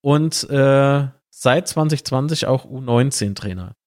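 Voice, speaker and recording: A man's voice: medium pitch, slow. A man from the Palatinate, interviewing in a chatty, joking manner. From Palatinate, Germany. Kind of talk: interview, casual talk.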